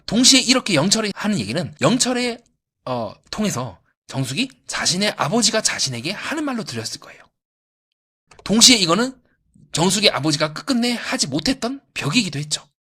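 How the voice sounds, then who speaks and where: Brief: male commentator, quick delivery, lively swinging pitch, posing and answering his own questions. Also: breathy edge. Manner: asks rhetorical questions and answers them; lively, acts out quoted voices. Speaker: YouTube psychoanalysis commentator. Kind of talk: analytical commentary on a reality show.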